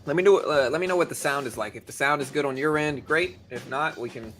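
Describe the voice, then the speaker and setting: A man's voice: on the high side, fast, a bit bright, faint music behind. A man hosting a livestream, chatting casually and informally, speaking directly to his viewers. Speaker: livestream host.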